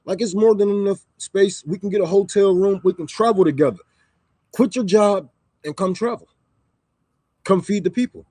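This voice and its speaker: High-voiced man ranting heatedly. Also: normal speed, mellow, no echo. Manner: heated, profane, preachy, repeats lines for emphasis. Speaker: livestreamer. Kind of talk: livestream rant. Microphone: microphone.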